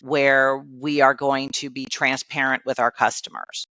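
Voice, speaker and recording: A woman's voice: extremely low pitch, flat delivery, a little slow, bright, forceful tone, no room sound. A woman life coach, a podcast guest, explaining ideas patiently with many everyday examples.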